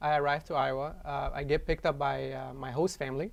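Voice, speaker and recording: The speaker has an Arabic accent, recorded very cleanly against a silent background. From Egypt, Alexandria. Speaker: former exchange student, program representative. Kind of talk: casual chat, storytelling.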